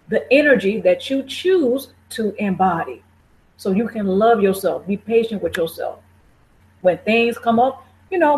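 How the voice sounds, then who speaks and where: A woman's voice: on the high side, darkish tone, low-quality recording. A woman speaking to listeners in a conversational motivational talk, encouraging and repeating phrases, often laughing.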